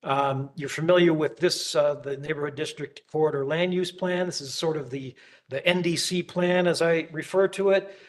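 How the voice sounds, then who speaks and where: A man who is losing his voice gives a staff presentation at a public planning meeting, halting and full of ums and uhs. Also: fairly high pitch. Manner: halting, filler-heavy, with many ums and uhs.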